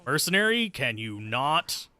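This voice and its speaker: With a mid-range voice that swings widely in pitch, a man hosting a game stream talks a little slowly and sharply, cursing casually as he comments on live play and chats with viewers in a sardonic, self-deprecating way. No room sound is present.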